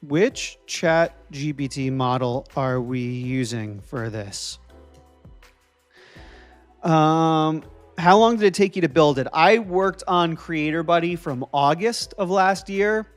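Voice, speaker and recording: A man's voice: a little high, animated, takes it slowly, faint music behind. A young man from New Jersey hosting a live stream, thinking aloud as he codes and answering viewers in casual chat.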